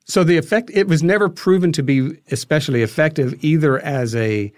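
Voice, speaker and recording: A filmmaker and podcast creator appears as an interview guest, explaining things conversationally while choosing his words with hesitant care. His voice is fairly high and a little mellow, he talks fairly quickly, and there's no echo.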